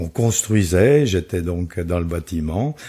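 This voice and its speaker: Dark, mellow and somewhat breathy, with ordinary pitch variation. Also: man. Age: 70s. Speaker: astrologer. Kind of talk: interview. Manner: hesitant, many fillers.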